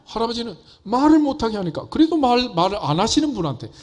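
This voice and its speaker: A man's voice: extremely high pitch, sing-song, fast talker, a little mellow. A male pastor giving a folksy, conversational sermon, often asking the congregation rhetorical questions.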